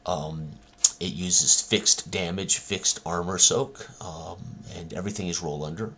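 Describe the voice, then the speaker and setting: A man presenting his own tabletop roleplaying game in casual talk, halting with many ums and uhs. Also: low-pitched, sharp tone, a little hiss or hum.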